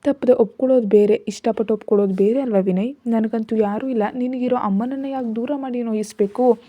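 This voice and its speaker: A lady doing a stubborn young wife in a story, scolding and firm, soft dark voice. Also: a little high, steady tone, fast, dry recording, lightly acted. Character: young adult woman, a stubborn, worried wife.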